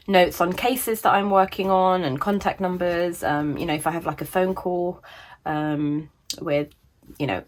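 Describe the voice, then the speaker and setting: A woman in her thirties chatting casually about her planners, meandering with many fillers, her voice slightly raspy from a sore throat coming on. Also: lowish voice, slight background noise. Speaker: planner vlogger. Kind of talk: casual chat.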